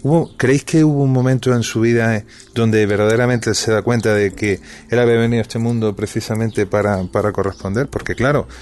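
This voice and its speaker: A man hosting a radio interview, asking measured questions with hesitant fillers. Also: on the low side, fairly even intonation, a little mellow.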